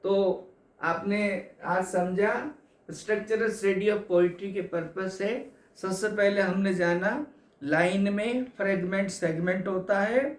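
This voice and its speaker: A man teaching English literature for exams, explaining slowly and repeating key points to his students. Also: high voice, steady tone. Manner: slow, repetitive explaining, addresses students as kids. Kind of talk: exam coaching lecture. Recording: echoey room.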